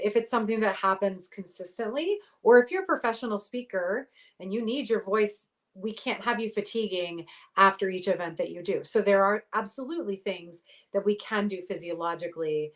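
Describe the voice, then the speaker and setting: Middle-aged woman expert, clear and explanatory, mid-range voice. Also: medium pitch. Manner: articulate, explanatory, uses athletic analogies. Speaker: voice pathologist guest. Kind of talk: interview answers.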